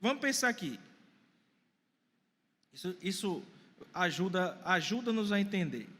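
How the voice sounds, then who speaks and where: Animated preaching man, high voice. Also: measured pace, in a large hall. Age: 40s. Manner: animated preaching with questions to the congregation. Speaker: pastor. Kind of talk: sermon. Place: church hall.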